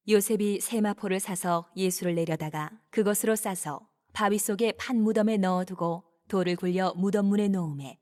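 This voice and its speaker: A woman narrating scripture from a script in a measured, clearly enunciated reading style. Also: medium pitch, darkish tone.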